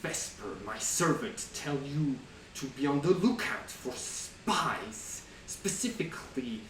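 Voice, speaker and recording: A man's voice: medium pitch, expressive, slow pace, a bit bright, a little hiss or hum. A man voicing an angry white dragon lord who speaks with imperious, theatrical contempt in a tabletop game. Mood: scornful, accusing. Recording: roomy, distant mic, music underneath.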